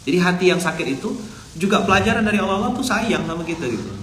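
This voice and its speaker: A man's voice: high-pitched, animated, rapid-fire, a bit bright, a little hiss or hum. A man preaching a casual, chatty sermon as an ustadz, telling stories and acting out dialogue. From Indonesia. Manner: chatty, storytelling, acts out dialogue. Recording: echoey room with faint ambience.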